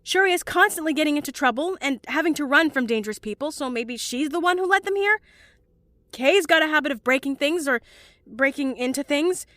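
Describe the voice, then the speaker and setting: A young woman playing an anxious, well-meaning student in an audio drama, earnest and given to halting, stammering speech. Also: high-pitched, fairly bright tone, no room sound, studio quality. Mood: anxious, rambling. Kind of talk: audio drama acting, emotional monologue and dialogue.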